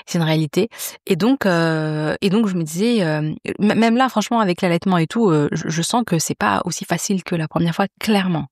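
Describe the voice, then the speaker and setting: A woman's voice: lowish voice, fairly quick, dry recording, studio quality. A woman, hosting a podcast in a chatty, confiding way, full of fillers and restarts. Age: 30s. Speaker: podcast host. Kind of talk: casual chat.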